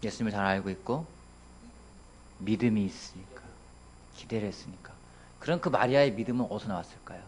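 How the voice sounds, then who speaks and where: A man's voice: fairly low pitch, brisk, pauses often, a little mellow, slight background noise. A man in his thirties, a pastor preaching a sermon in a church, asking his congregation questions and acting out quotes playfully. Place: church sanctuary.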